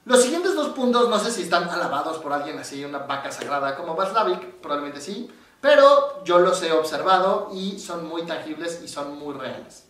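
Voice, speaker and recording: A man's voice: on the high side, moderate pace, recorded from a distance. A man with a Mexican accent, a psychologist, explaining in casual talk and acting out the voices in his stories. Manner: animated storyteller, acts out quoted voices. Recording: very echoey room, voice from off the mic.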